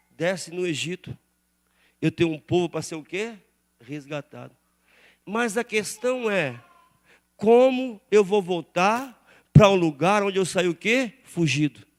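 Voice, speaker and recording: A Brazilian man preaching in a church, his voice sitting high for a man. He leads the congregation in call-and-response, urging them to repeat his lines and praise aloud. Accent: Brazilian Portuguese. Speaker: pastor. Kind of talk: sermon. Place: church sanctuary.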